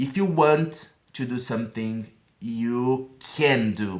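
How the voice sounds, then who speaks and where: A man speaks with a Brazilian accent. His intonation is lively. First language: Portuguese. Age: 30s. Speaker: English learner vlogger. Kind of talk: tutorial. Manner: halting.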